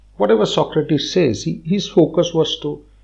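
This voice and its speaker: A man with a Bengali accent speaks at a fairly high pitch and a moderate pace, with lively intonation. His tone is dark and mellow, with some vocal fry. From India (Bengal). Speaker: lecturer and author. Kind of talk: lecture. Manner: halting, with repetitions.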